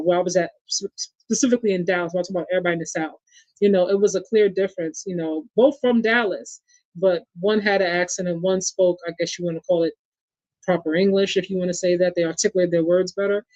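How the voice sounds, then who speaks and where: A man's voice: high voice, fairly even intonation, quick pace, darkish tone, no room sound. A man with a New York accent hosting a casual sports chat, talking to his listeners and reading their comments aloud. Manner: chatty, addresses the audience as y'all and reads viewer comments aloud. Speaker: podcast host. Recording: dull lo-fi sound.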